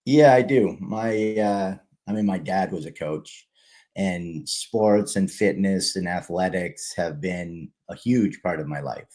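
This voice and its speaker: A man's voice: low-pitched, slow pace, darkish tone. A man from Canada, a guest on a livestream interview, talking in a friendly, easygoing way. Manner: friendly, easygoing, some restarts. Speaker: guest, kids' fitness founder. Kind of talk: casual interview. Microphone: video call livestream.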